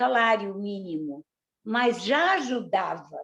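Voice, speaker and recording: Her pace is very slow. This woman's pitch swings very widely. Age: 80s+. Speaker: club member asking a question. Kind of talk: audience comment.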